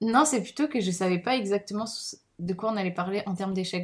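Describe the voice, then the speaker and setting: Her voice is somewhat breathy. The woman talks at a very fast pace. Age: 20s. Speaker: university student and podcast host. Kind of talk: casual chat.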